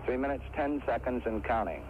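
A man giving launch countdown commentary over a crackly, breaking-up space radio transmission, in a steady clipped announcing manner. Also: medium pitch, a little fast, a loud crowd. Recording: tinny noisy archival radio broadcast.

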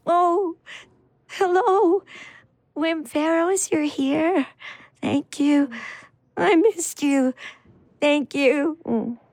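An actress playing an elderly woman with dementia who calls out in slow, childlike repetitions. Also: high voice, darkish tone, no room sound, full character voice. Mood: tender. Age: older. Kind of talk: audio drama acting.

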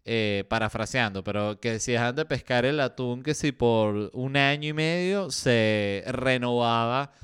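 A man's voice: medium pitch, a bit bright, smooth, no room sound, studio quality. A man with a Venezuelan accent hosting a casual comedy podcast, joking around and acting out other people's voices, with plenty of fillers. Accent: Venezuelan Spanish. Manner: joking, acts out quoted voices, lots of fillers. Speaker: podcast host.

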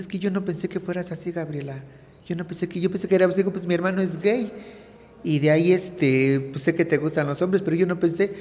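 A woman's voice: deep voice, mellow. A trans woman giving an earnest, rambling personal testimony in an interview, full of fillers. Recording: echoey hall reverb.

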